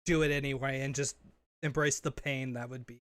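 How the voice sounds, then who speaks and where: A man's voice: mid-range voice, fairly even intonation, a little fast, a bit bright, dry recording. A man co-hosting a podcast, chatting casually, teasing his partner and laughing often at himself. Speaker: podcast co-host.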